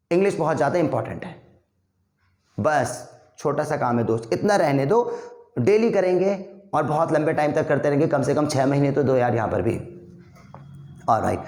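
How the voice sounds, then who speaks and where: A man teaching spoken English runs quick-fire drills that mix Hindi and English. His voice sits a little high for a man. He is recorded in an echoey room. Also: a little mellow. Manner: rapid Hindi-English practice drills, clears throat often. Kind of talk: classroom speaking drill.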